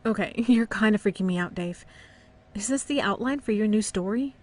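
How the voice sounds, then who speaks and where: A woman's voice: mid-range voice, brisk, lightly acted. A woman playing a skeptical wife and mother who keeps asking questions and laughs lightly.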